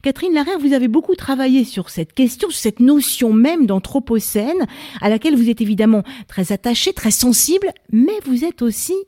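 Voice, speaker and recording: Mellow-voiced woman hosting a debate. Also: high-pitched, lively intonation, a little fast. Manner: hesitant, frequent fillers and restarts. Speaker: debate host. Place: library event venue.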